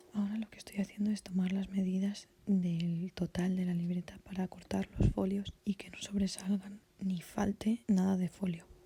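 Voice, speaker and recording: Whispering in a soft-spoken, somewhat breathy way, a woman talks with a calm tone at a moderate pace. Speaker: artist and handmade notebook maker. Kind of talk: whispered craft tutorial with ambient sound. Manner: whispered, soft, calm.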